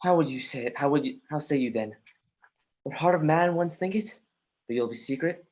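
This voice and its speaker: Man playing Hamlet, a husky, impassioned young prince. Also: on the high side, darkish tone, lightly acted. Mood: agitated, evasive. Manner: impassioned, halting reading with stumbles. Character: young grieving prince, intense, wry, erratic. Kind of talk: Shakespearean verse in a livestreamed dramatic reading. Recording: remote livestream audio.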